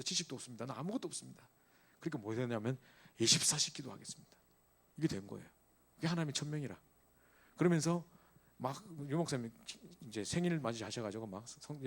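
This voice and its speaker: A middle-aged male pastor gives a sermon to young church members. He speaks quickly and with emphasis, tossing out rhetorical questions and answering them himself. His voice sits at an ordinary male pitch. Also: darkish tone. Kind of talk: sermon to a church youth group.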